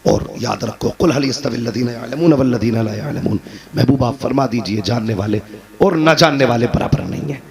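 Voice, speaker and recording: Fiery preacher guy, gravelly voice, crowd murmuring behind him. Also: expressive, moderate pace. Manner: impassioned, swings between shouted peaks and low quiet passages. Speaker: Islamic preacher. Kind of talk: emotional sermon. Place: religious gathering with live audience. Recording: live crowd audible.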